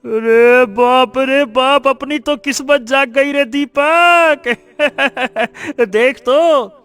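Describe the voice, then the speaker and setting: A man doing a greedy, excitable villager. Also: very high voice, faint music behind, full character voice. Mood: greedy, gleeful. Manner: excited, hurried, laughing. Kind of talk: Hindi cartoon voice acting.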